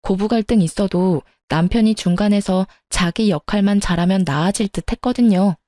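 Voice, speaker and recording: Mellow woman narrating a true story. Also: mid-range voice, moderate pace, no room sound, studio quality. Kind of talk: first-person storytelling radio narration.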